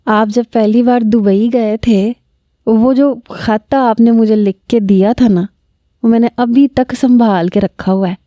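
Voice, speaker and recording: A woman reading a story aloud, voicing a young village bride-to-be who talks in a thin, high voice with a Punjabi lilt. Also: fairly even intonation, warm tone, dry recording, close to an everyday voice. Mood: coy.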